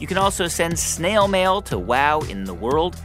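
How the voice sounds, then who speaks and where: A man's voice: fairly high pitch, very animated, measured pace. A man hosting a kids' podcast, reading the credits and contact details in an upbeat way. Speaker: host. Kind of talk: show outro credits. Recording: music bed behind.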